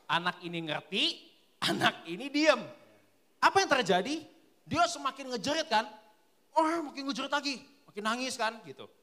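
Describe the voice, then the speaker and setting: A young male preacher speaks with a notably high voice. He keeps his sermon casual and lively, peppering it with rhetorical questions to pull the listeners along.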